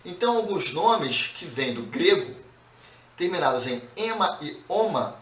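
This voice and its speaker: A man's voice: on the high side, a bit bright. A male teacher gives a recorded grammar lesson, reading word lists aloud and checking in with students. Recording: echoey room, mic at a distance.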